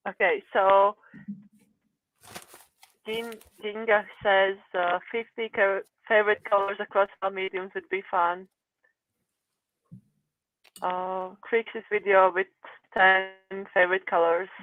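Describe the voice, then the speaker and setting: A woman's voice: mid-range voice, no room sound. A woman, not a native English speaker, chatting on a livestream and reading viewer comments aloud. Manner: reads chat comments aloud, hesitant with restarts. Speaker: guest artist. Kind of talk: casual livestream chat. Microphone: video call. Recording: tinny phone-like call audio.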